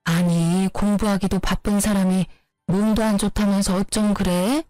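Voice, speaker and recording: A middle-aged mother, as a woman narrator puts her on gushes in a rapid-fire stream of excited chatter. She talks at a middle pitch, with faint music underneath. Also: dry recording, close to an everyday voice, low-quality recording. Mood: gushing. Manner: rapid-fire gushing talk.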